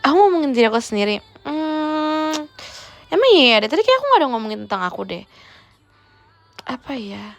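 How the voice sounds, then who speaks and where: A woman's voice: high voice, very animated, fast talker, creaky, faint music behind. A young woman, chatting teasingly in a playful role-play livestream and dropping in English words. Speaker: idol livestreamer.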